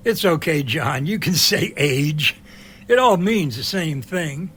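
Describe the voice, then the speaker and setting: A man's voice: on the high side, expressive, slow pace, fairly bright tone, breathy edge, full character voice. A man playing an easygoing, curious middle-aged helicopter pilot in an amateur audio drama, chatty and wry.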